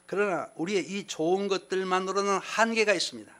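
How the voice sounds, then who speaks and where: Fairly even intonation in a man's high voice. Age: 70s. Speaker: missionary preacher. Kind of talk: sermon. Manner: formal; halting.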